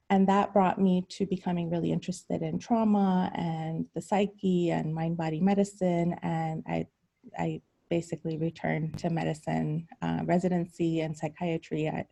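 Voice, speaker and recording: A woman in her forties from Iran, a psychiatrist telling her life story on a video call, hesitant with many pauses and ums. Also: fairly low pitch, vocal fry, warm tone. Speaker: psychiatrist guest speaker.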